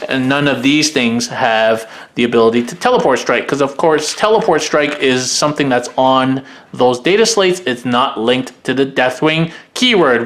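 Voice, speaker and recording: A man with a middle-pitched voice talks casually through a rulebook as a hobby channel host. He is frank and opinionated, thinking aloud as he weighs each point. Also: a bit bright. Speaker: host of a tabletop wargaming channel. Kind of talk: casual commentary, reading through a game rulebook.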